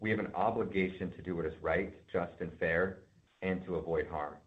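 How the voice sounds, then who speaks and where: A man delivering a scripted, formal and deliberate address as a company executive on an earnings call. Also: low voice. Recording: narrow, tinny phone line.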